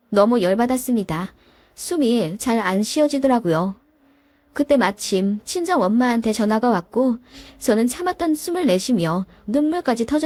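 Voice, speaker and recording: A woman's voice: on the high side, dark tone, dry recording. A young woman narrating a personal story in the first person, confiding and plaintive.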